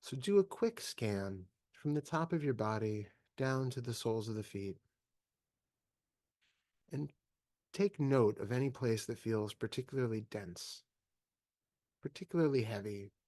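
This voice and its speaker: A man leading a guided meditation as a teacher, speaking calmly and in measured phrases with long pauses. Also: mid-range voice, no room sound, studio quality.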